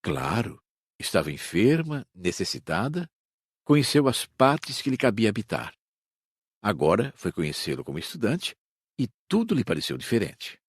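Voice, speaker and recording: Male actor as patient spirit instructor, Brazilian accent, didactic, measured, deep-leaning, very animated pitch, audiobook. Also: slightly rough, dry recording, studio quality, full character voice. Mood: calm, instructive. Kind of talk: audiobook dramatized reading.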